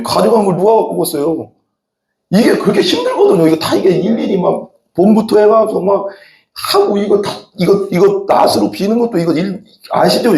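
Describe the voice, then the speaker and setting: A middle-aged male pastor preaches a sermon in a church sanctuary, telling rambling folksy stories from the pulpit. His voice sits high with a darkish tone, and the recording echoes like a church hall.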